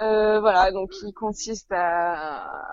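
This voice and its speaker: A woman with a normal speaking voice, medium pitch, and fairly even intonation. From Paris region, France. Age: 30s. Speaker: amateur ultra-distance cyclist. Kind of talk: casual interview.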